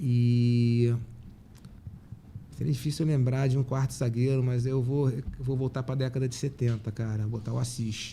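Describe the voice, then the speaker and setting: A man with a dark, mellow tone, somewhat breathy, speaking fairly slowly in a monotone, flat way, with long, frequent pauses. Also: medium pitch for a man. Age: 60s. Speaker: orthopedic surgeon. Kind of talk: casual chat.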